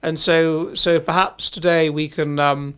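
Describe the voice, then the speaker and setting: Posh English male host, slightly high-pitched, halting delivery with many restarts. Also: level tone, a bit bright, clear, resonant tone. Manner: halting, full of restarts and repeated words. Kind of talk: interview host, chatty.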